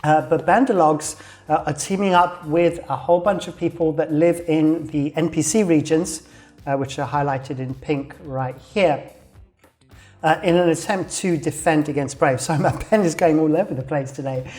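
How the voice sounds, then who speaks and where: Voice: mid-range voice, moderate pace, darkish tone. A host giving a casual weekly news rundown of a game world while drawing on a map, talking in a loose, rambling way with many fillers and self-corrections, voice slightly worn. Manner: laughs at own doodling while drawing on screen. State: slightly losing voice. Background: faint background music.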